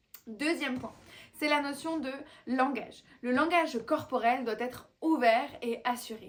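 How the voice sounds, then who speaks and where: Noticeable background noise sits behind a woman whose high-pitched voice has lively intonation. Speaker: coach for women entrepreneurs. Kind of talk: tutorial. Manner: calm, measured.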